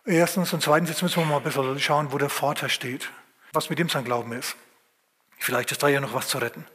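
A man preaching a sermon, retelling a scripture story vividly with dramatic pauses and acted-out quotes. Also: a little high, steady tone, a bit bright, husky.

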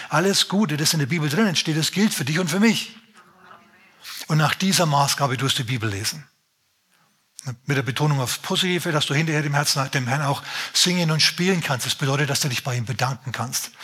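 A man's voice: on the high side, fairly bright tone, husky. A man preaching a sermon as pastor, emphatic and speaking straight to his listeners.

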